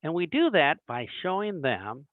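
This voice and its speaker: A man leads a recruiting training talk over a video call, acting out small exchanges as he explains. His voice sits a little high and swings up and down with animation. The sound is dry and narrow, like a phone line. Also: measured pace, no echo. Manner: animated, acts out little dialogues. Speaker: webinar presenter. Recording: dry tinny phone-like online call audio.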